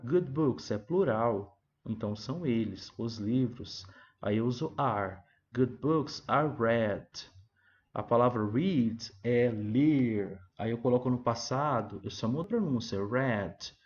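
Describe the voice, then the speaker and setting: A man teaching an English review lesson, asking himself questions and answering them, and saying example sentences slowly. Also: mid-range voice, a little mellow, dull audio. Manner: keeps adding "tá?" and "ó". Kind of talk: recorded classroom review lesson.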